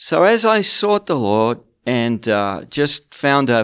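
A man with an Australian accent. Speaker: missionary leader and author. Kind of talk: interview.

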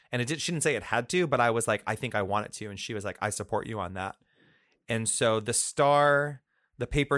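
A man talks at a fairly quick pace in an ordinary speaking voice at a medium pitch with ordinary pitch variation. The sound is dry and close, with no echo. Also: very clean recording, silent background. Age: 30s. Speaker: designer, artist and writer. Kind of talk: casual chat.

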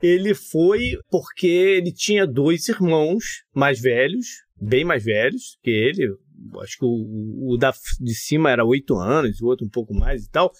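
Very wide pitch swings at a fairly slow pace, dry and close with no echo, music in the background. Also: man, fairly high pitch for a man. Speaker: podcast co-host. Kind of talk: casual chat.

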